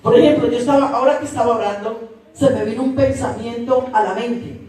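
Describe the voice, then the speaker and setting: A woman's voice: fairly high pitch, a little fast, dark tone. A woman preacher giving an emphatic sermon, speaking straight to her congregation with repeated phrases. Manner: emphatic, repetitive, addresses congregation directly. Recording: very echoey hall, distant mic.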